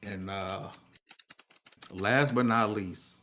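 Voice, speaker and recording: A man's voice: on the low side, steady tone, very slow, fairly bright tone. A man hosting a casual live talk show and introducing the panel. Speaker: host.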